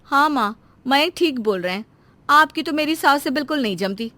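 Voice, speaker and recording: An earnest young wife from an animated family story, voiced by a woman, caught in the middle and pleading. Her voice is high and bright. The recording is close and dry. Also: normal speed, dry recording. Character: young wife torn between husband and mother.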